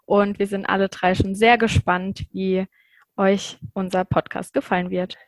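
A woman in her twenties co-hosting a podcast, brisk and fluent. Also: mid-range voice, flat delivery, dry recording. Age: 20s. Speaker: podcast co-host. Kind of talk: casual podcast chat.

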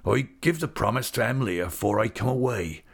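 A man performs a hale old seafarer for an audiobook, speaking in broad country dialect. His delivery is slow, affectionate and hearty, with a lively rise and fall on a fairly low male voice. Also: creaky, slightly rough, exaggerated voice. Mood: warm, earnest. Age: older. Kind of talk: audiobook character voice.

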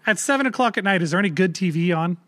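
A man's voice: high-pitched, expressive, racing, sharp tone. A man in his thirties co-hosting a parenting podcast in casual, rambling chat, with loose swearing and lots of fillers. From Canada. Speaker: podcast co-host.

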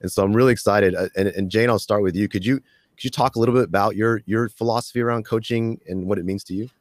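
Deep-voiced casual male podcast host. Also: steady tone, fast, no room sound, clean studio sound. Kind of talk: casual interview chat.

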